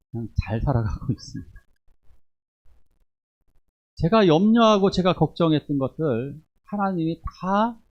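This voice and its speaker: A man preaching a sermon as pastor, moving between forceful exhortation and quiet asides to the congregation. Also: sits high, dull audio. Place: church sanctuary.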